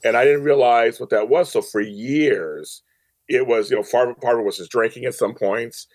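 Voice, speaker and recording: A man's voice: medium pitch, normal speed, a little mellow, no echo. A middle-aged man talking candidly as a podcast guest, emphatic and repeating phrases to make his point. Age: middle-aged or older, grandfather. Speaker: podcast guest, media company CEO. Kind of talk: candid conversational interview.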